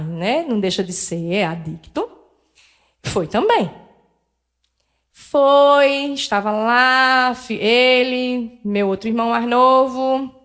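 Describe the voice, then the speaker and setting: A middle-aged woman, telling a personal story as a lecturer at a spiritist center, candid and self-deprecating, acting out dialogue with shifting voices. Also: fairly high pitch. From Northeast Brazil.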